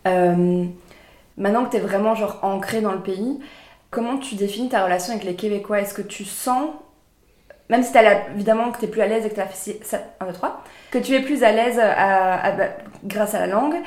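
A woman hosting a podcast interview, chatty and relaxed, asking long rambling questions. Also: mid-range voice, fairly quick. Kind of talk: casual interview. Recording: roomy echo.

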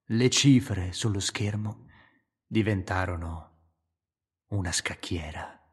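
Brief: male narrator, dramatic and expressive audiobook reading. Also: low voice, takes it slowly, husky.

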